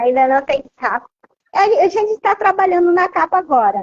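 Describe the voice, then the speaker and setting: A woman is speaking. Her pitch swings very widely. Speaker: author. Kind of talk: interview.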